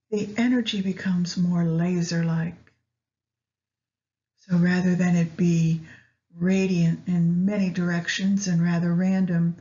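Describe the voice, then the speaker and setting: A woman leading a guided meditation in a measured way, pausing between short phrases. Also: on the low side, dark tone, dull audio. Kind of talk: guided meditation with astrology commentary.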